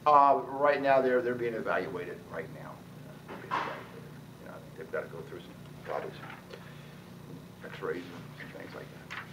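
A man in his sixties, a head football coach, answering at a post-game press conference, talking quickly with many restarts and repeated words. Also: low voice, animated. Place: press room with sponsor backdrop. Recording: distant mic, noisy press room.

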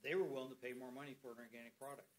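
A man's voice: medium pitch, fairly even intonation, racing. A man, a farmer co-presenting a workshop, telling in a plain-spoken, rambling way how he started out. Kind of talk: telling his story at a workshop.

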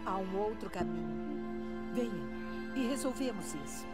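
A woman's voice: mid-range voice, animated, unhurried, close to an everyday voice. A woman playing an elderly, devout tribal matriarch in a dubbed video game, solemn and reverent, with a Brazilian accent. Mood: grave. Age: older. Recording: loud game music behind.

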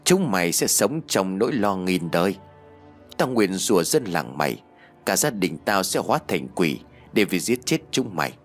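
A man's voice: low voice, very animated, moderate pace, faint music behind. A man voicing a starving, dying parent who spits a vengeful curse at a cruel village. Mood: cursing. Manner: cursing, spiteful.

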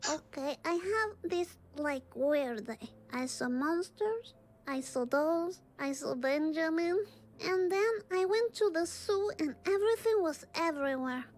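A woman's voice: animated, heavily acted. A woman voicing a lonely, innocent little girl in a video game, rambling on in a childlike way. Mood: wistful. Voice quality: high, childlike and slow.

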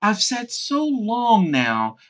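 Storybook mother duck, put on by a narrator: tired, fussy and proud, pitched up, swooping and unhurried. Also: huge pitch swings, fairly bright tone, exaggerated voice. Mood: weary, fretful.

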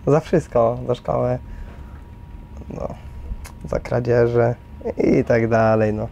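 Gravelly, slow teenage guy. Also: mid-range voice, fairly even intonation, dark tone. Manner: terse. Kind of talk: casual interview answers. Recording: dull, slightly noisy recording.

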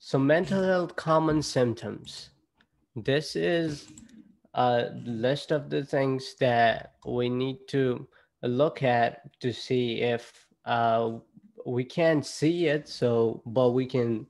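A young man from Nepal with a Nepali accent, presenting casually to students on a video call through a laptop mic, halting and restarting often. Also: mid-range voice, a little mellow. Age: young adult. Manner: halting, with frequent fillers and restarts. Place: indoor room at home. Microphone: laptop webcam on a video call.

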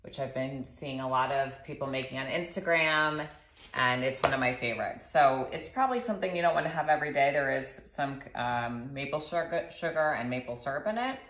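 A woman in her thirties casually walking through a recipe in her home kitchen, chatty and relaxed, filmed by a camera across the counter. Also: very deep voice, a little fast, slight background noise. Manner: relaxed, chatty instructions with fillers. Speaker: doctor sharing recipes. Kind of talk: casual cooking demonstration. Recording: echoey kitchen, slightly distant.

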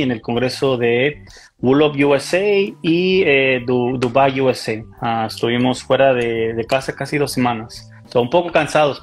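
A man with a Mexican accent, talking as an interview guest over a video call and pausing often on fillers and restarts. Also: mid-range voice. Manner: hesitant, many fillers and restarts. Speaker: interview guest, micropigmentation artist. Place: small indoor room.

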